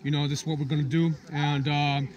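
A man's voice: on the high side, level tone, fairly quick, dull audio, crowd noise. A young man giving cocky, pumped-up boasts in a mock sports-star interview, outdoors. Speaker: camp participant. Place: outdoors on a grassy field. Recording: background music under the voice.

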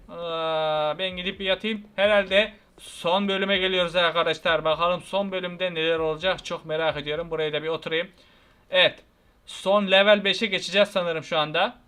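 Young man, from Turkey, high voice, bright tone, gaming commentary, chatty, loud at jump scares. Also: clear, resonant tone. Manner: chatty, exclaims loudly at scares, talks to the viewers. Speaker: gaming channel host. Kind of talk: let's play commentary.

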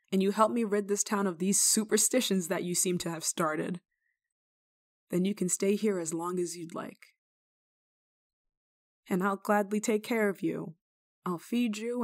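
A woman playing a kindly, rule-breaking nun in an ASMR roleplay, speaking to the listener in a gently teasing, caring manner. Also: mid-range voice, normal speed, lightly acted. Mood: caring, encouraging. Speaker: roleplay voice actor.

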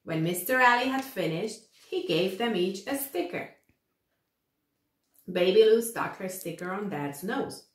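A woman in her thirties reading a children's story aloud in a deliberate, animated way to young listeners. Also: mid-range voice. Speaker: storybook reader. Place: small room indoors. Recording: echoey room.

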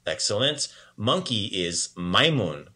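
A man teaching a casual language lesson in an upbeat, chatty way, repeating words slowly for learners. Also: lowish voice, sing-song, bright, forceful tone.

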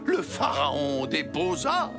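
A man's voice: fairly high pitch, wildly swooping pitch, takes it slowly, gravelly, heavily acted. A man voicing a manic ageing graffiti-painter supervillain in a French cartoon dub, ranting theatrically. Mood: grandiose, bitter. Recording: music behind the voice.

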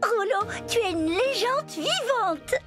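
A woman voicing a small, excitable cement mixer in a children's cartoon, gushing in a childlike way. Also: very high voice, takes it slowly, exaggerated voice. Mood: admiring, coaxing. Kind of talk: French children's cartoon dub. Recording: music underneath.

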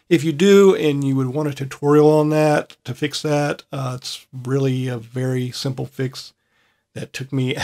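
A man hosting a casual screen-recorded tutorial, his voice at an ordinary middle pitch. He thinks aloud as he works, loose and unhurried. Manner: thinking aloud with fillers and restarts, relaxed. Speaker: software tutorial host.

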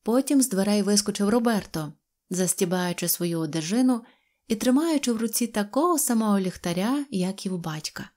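Mellow woman narrating a fairy tale. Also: medium pitch, brisk. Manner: expressive storytelling.

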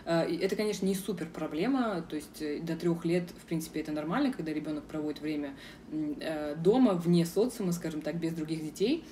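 Young woman vlogger, low mellow voice. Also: fairly quick, recorded from a distance, slight background noise. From Russia. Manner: frank, firm, many filler sounds. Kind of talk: casual vlog Q&A. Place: outdoors in a city square.

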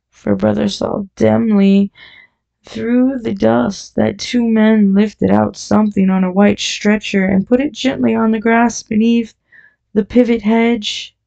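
A woman narrating an audiobook in a measured, deliberate scripted reading. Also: medium pitch, creaky, warm tone. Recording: dull lo-fi audio.

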